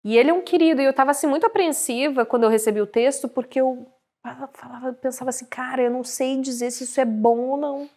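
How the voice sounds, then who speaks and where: Animated Brazilian woman telling set stories. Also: sits high, quick pace. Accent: Brazilian Portuguese. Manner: animated storyteller, laughs often. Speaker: actress guest. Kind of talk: casual interview chat.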